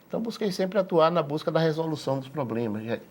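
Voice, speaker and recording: A man in his sixties from Salvador with a Bahian accent, a physician answering interview questions in a measured, halting way, repeating words as he thinks. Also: a little high, animated, darkish tone. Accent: Bahian Brazilian Portuguese. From Salvador, Bahia, Brazil. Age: 60s. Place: TV studio.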